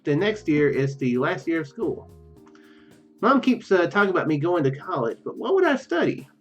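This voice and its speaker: A man doing casual game commentary and reading visual novel text aloud, rambling, halting and often correcting himself. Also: fairly high pitch, big pitch swings. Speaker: let's play video host. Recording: muffled lo-fi mic, music behind. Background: game music.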